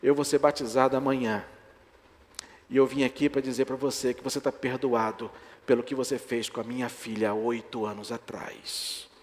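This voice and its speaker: A grown man on the eve of his baptism, speaking softly and earnestly through tears, as a preacher acts him out in his sermon. The quiet voice rings in the long echo of a church hall. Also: mid-range voice, flat delivery, normal speed, lightly acted. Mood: tearful. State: crying. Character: grown man about to be baptized, tearful and forgiving.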